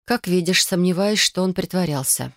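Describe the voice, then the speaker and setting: A woman's voice: fairly low pitch, normal speed, no echo, clean studio sound, close to an everyday voice. A woman reading a wary young heroine. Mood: doubtful. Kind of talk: audiobook character voice.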